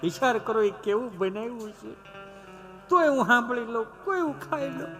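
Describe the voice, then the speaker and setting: A man performing comic storytelling live on stage, animated and constantly turning to the audience as 'sir' with rhetorical asides. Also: very high voice, moderate pace, music in the background. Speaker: stand-up comedian.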